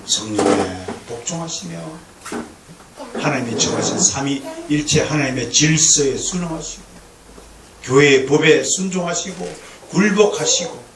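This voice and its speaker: A male pastor preaching a lively lecture-sermon to a congregation, with humor and call-and-response. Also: medium pitch. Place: church sanctuary. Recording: echoey hall, distant mic, faint noise.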